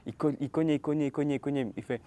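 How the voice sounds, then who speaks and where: A man in his twenties, telling an animated story straight to his viewers in a casual storytime vlog. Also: a little high, racing. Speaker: vlogger.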